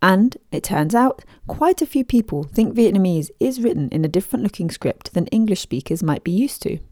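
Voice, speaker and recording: A woman hosting a podcast, reading scripted narration in a lively storytelling delivery. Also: mid-range voice, moderate pace, dry recording. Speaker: podcast host.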